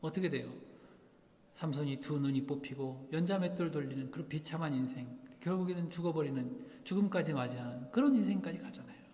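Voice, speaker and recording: A man's voice: on the high side, fairly quick, mellow. Preaching man in an echoey church. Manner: rhetorical questions to the congregation, acting out quoted lines. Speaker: pastor. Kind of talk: sermon. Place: church sanctuary. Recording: echoey hall with long reverb.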